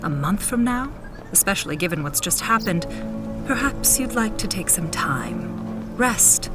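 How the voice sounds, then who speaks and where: A woman playing a courteous but controlling government official in an audio drama, with formal, deliberate phrasing. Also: mid-range voice, expressive, over music, natural voice. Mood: concerned, probing.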